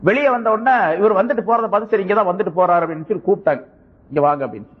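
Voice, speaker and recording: A man's voice: very fast, breathy edge. A male preacher giving a sermon with storytelling, dropping his voice to act out quoted speech, on a dull lo-fi tape. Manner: acts out quoted dialogue in a lower voice. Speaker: Islamic preacher.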